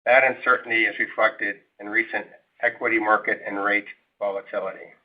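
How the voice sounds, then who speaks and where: Over a narrow, tinny phone connection, a man with a fairly low voice delivers prepared financial remarks. He sounds like a company executive on an investor call, formal and measured in how he presents. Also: fairly even intonation.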